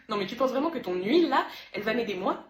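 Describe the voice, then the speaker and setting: A woman's voice: fairly high pitch, animated, fast talker, a crowd in the background, natural voice. A woman voicing a young woman suffering period pain, sarcastic and exasperated. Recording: roomy echo.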